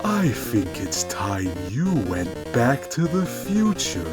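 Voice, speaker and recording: A man's voice: medium pitch, big pitch swings, slow pace, over loud music, voice pushed up. A man voicing a macho, pompous, menacing cartoon cat in a storybook narration, with a bombastic and wordy manner. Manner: bombastic, verbose, threatening.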